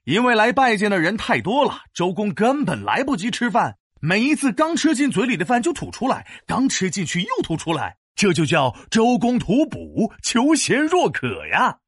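An animated, boastful dragon storyteller. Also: medium pitch, moderate pace, hardly any pauses, breathy edge, no room sound, studio quality. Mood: enthusiastic storytelling. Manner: theatrical, teasing, explanatory. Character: boastful, learned five-thousand-year-old dragon storyteller. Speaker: storyteller and teacher. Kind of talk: animated children's educational audio drama storytelling.

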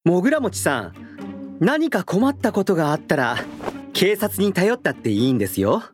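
A man's voice: high voice, moderate pace, faint music behind. Man doing a composed detective inspector. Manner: composed, lively intonation. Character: calm, clever police inspector detective.

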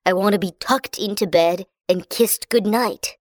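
A woman's voice: medium pitch, a little slow, no echo, studio quality, natural voice. A woman voicing a polite but demanding male frog in a storybook reading.

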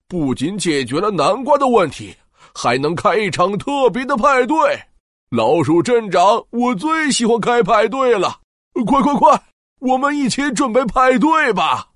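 A woman's voice: fairly high pitch, sing-song, measured pace, no echo, studio quality. A woman voicing a fussy, worried mouse mayor who loves parties, in a children's audio story. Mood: delighted.

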